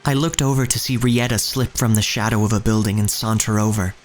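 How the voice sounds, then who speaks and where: An actor playing an earnest, uneasy young shop boy, narrating his own story in a measured, literary way. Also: on the low side, fairly even intonation, slight background noise, lightly acted. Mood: quietly unsettled. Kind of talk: first-person scripted narration in audio drama.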